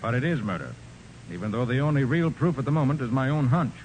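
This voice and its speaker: Actor as a confident detective, animated 1940s radio style. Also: male voice, medium pitch, fast, natural voice. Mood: firm, assured. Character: confident, brisk male private detective in charge. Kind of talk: 1940s radio crime drama acting. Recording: noisy 1940s radio recording.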